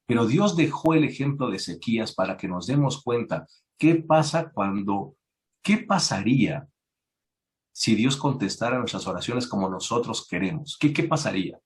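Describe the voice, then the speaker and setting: A man preaching a sermon to young people, acting out pleading voices and rising in pitch when he stresses a point. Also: expressive, moderate pace. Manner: acts out biblical voices, rises in pitch when emphatic. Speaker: youth preacher.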